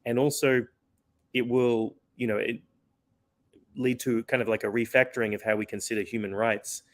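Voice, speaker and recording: A man being interviewed as a company founder, explaining earnestly with frequent fillers and restarts while his voice is going hoarse. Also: mid-range voice, flat delivery, normal speed. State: losing his voice. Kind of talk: conversational interview answer.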